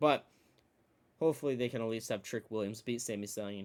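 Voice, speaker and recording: Talking at a very fast pace, a man with a fairly low voice is heard on a very clean recording with a silent background. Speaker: wrestling commentary youtuber. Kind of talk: casual predictions monologue. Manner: animated.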